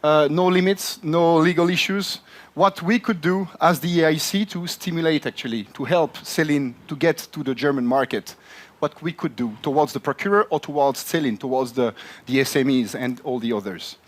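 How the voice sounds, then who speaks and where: A man moderating a conference session, speaking as an in a halting, filler-heavy way. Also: a little high. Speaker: panel moderator. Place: conference room.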